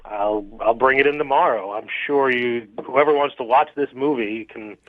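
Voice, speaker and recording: A man's voice: medium pitch, normal speed, dry recording. A man talking over the phone at work, puzzled and irritated, pushing back against a caller. The line sounds thin and tinny, with no room sound around his voice. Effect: heard over the phone. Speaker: prank call target. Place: at his workplace.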